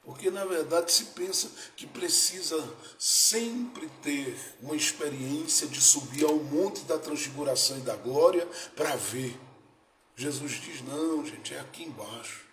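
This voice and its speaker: A man's voice: on the high side, animated, unhurried, a little hiss or hum. Man preaching with dramatic swells. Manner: dramatic, swings between soft and loud. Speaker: pastor. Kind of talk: sermon. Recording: echoey room with faint ambience.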